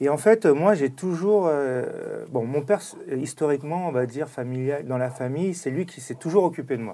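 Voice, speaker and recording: A man talks with an ordinary speaking voice. His pace is moderate and his pitch variation ordinary. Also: fairly high pitch for a man. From southern France. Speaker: sports coach and martial arts champion. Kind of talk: casual chat.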